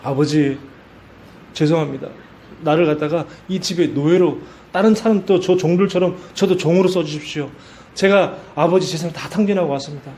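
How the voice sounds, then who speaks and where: A man's voice: a little high, brisk, darkish tone, a little hiss or hum, lightly acted. A man voicing a repentant younger son who pleads humbly in a sermon story. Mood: pleading.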